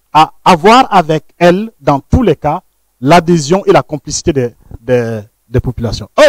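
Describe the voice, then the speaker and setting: A man with a fairly high voice gives an analytical panel talk, pressing his points with emphasis. He repeats words as he searches, then lets each phrase fall low. The sound is dry and close. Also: a little mellow, no echo, low-quality recording. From Burkina Faso. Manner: emphatic, lecturing, with frequent word repeats and phrase ends that drop low. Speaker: panelist, researcher.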